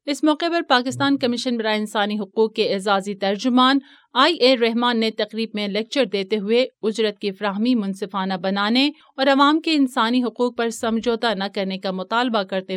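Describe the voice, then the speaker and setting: A woman presenting a radio news program, reading a scripted report in a formal, measured way. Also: a little high, no echo, studio quality. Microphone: studio microphone.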